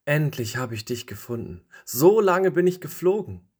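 A man voicing a white dove in a spoken storybook, with a soft, tired voice. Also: a little high, very animated, moderate pace, slightly rough, voice pushed up. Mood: tender. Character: tender, exhausted white dove.

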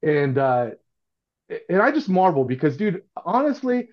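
A man's voice: high-pitched, sing-song, unhurried. A middle-aged man, a podcast guest talking casually and earnestly, often restarting his sentences. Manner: earnest, rambling, with frequent restarts. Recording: dull, lo-fi sound.

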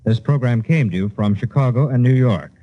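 A man's voice: mid-range voice, a little fast, music in the background. An American man making a formal network announcement as an old-time radio announcer. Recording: dull vintage radio recording.

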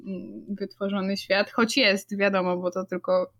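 A woman's voice: medium pitch, little pitch movement, a little slow, a bit bright. Female tabletop player, thoughtful, rambling, casual chat. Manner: thoughtful, rambling, searching for words.

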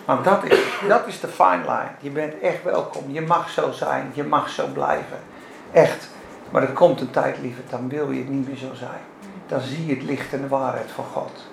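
A man's voice: mid-range voice, steady tone, normal speed, creaky, background noise. A man preaching a fervent, emphatic sermon, repeating his phrases for force. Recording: echoey room with faint ambience.

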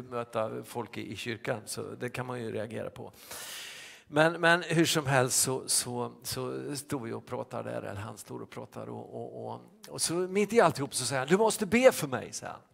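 Gravelly-voiced pastor telling a story. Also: male voice, mid-range voice, a bit bright. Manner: halting, many restarts and fillers. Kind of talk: sermon anecdote.

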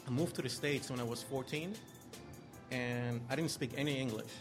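An Austrian man with an Austrian accent, working in music A&R, tells his story as a guest in a casual interview, easygoing and self-deprecating. His voice is medium in pitch at a moderate pace, with music playing behind him.

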